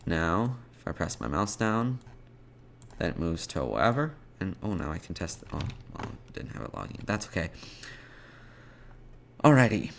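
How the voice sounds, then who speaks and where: A man presenting an unscripted programming tutorial, thinking aloud in a halting way as he types out code. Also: low voice, very animated, vocal fry, a little hiss or hum.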